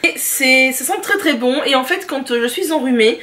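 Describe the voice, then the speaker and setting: A woman with a high voice talks through her favorite products in a chatty, enthusiastic vlog at home. She often pauses on small fillers as she goes. Her voice sounds set back from the microphone. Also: animated, pushed and bright. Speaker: beauty and lifestyle vlogger. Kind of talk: casual product review monologue. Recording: voice distant from the mic.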